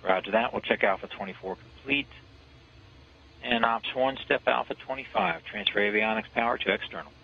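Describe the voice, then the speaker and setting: A man working as launch conductor, giving clipped procedural calls over a radio communications loop, brisk with small hesitations. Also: on the low side, creaky, breathy edge. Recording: muffled lo-fi radio channel.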